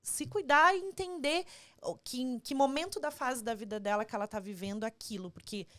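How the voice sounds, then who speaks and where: Chatty higher-voiced woman with a Curitiba accent. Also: brisk, a bit bright. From Paraná, Brazil. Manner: chatty, upbeat, leans on "né?". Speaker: podcast host. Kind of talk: casual podcast interview.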